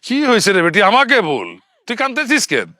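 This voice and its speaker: A man's voice: extremely high pitch, wildly swooping pitch, quick pace, pushed and bright, no echo, studio quality, exaggerated voice. A man playing a stern tribal chief in a comedy skit, barking orders and laying down his clan's law in a mixed dialect. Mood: commanding. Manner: commanding, barks orders, speaks in a mixed dialect.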